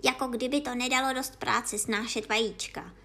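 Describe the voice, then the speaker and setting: A woman voicing a suspicious, complaining male pigeon in a storybook reading, with a lowered, gruff, scolding voice. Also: fairly even intonation, bright, forceful tone, exaggerated voice. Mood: grumbling.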